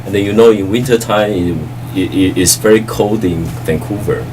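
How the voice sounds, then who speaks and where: A middle-aged man from Taiwan, an ambassador, answering interview questions politely and haltingly with many fillers. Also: on the low side, darkish tone, recorded from a distance, slight background noise.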